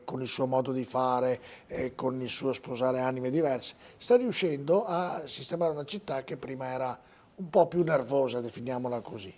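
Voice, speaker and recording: A male TV host with a Veneto Italian accent leads a studio interview. He speaks at a middle pitch in a chatty way. He cuts in politely and likes to tease his guest. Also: darkish tone. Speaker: TV talk show host.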